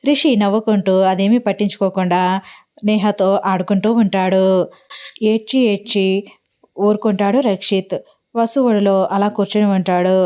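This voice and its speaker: A woman narrating a fan story in a calm, even storytelling manner. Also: medium pitch, normal speed, smooth, muffled recording.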